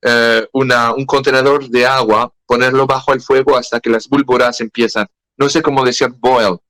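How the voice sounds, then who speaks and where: A man with a French accent speaking Spanish as a second language in a podcast interview, halting and searching for words. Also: medium pitch, flat delivery, fairly bright tone, no echo. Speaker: guest.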